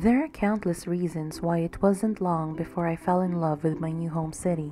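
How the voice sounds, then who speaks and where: Music plays in the background as a woman speaks at a moderate pace in a calm tone. Her pitch is fairly low, with ordinary variation. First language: not English. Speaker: painter. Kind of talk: vlog voice-over narration. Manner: calm, reflective.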